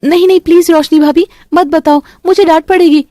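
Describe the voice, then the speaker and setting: A woman's voice: extremely high pitch, steady tone, fairly quick, mellow, no echo, clean studio sound, pitched above the performer's own voice. A woman voicing a timid, pleading young girl. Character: young unmarried sister-in-law, timid and tearful.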